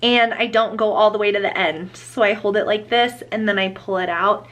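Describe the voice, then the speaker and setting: Young mom vlogger, stuffy nasal voice from a cold, bright and chatty, lots of ums. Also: female voice, medium pitch, fairly even intonation, normal speed, a little hiss or hum. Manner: chatty, explaining steps with fillers. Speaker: beauty vlogger. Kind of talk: casual get-ready-with-me chat.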